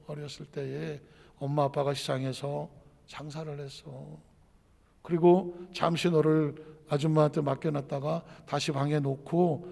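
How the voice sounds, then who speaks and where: A man speaking as a loving, scarred mother in a sermon story, in a soft, quiet voice. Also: sits high, in a large hall.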